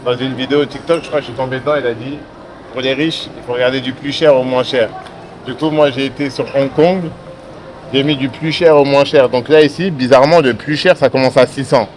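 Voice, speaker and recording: A man's voice: mid-range voice, fairly even intonation, a little fast. A young man vlogging casually to the camera as he travels, in hyped, slangy street talk. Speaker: entrepreneur vlogger. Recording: noisy traffic and street background.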